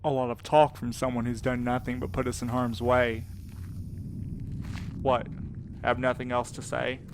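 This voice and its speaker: A man's voice: medium pitch, little pitch movement, moderate pace, noisy background, natural voice. A man playing a wry, exasperated, wary supernatural mail courier in an audio drama, talking in a colloquial, needling way. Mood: bitter, accusing.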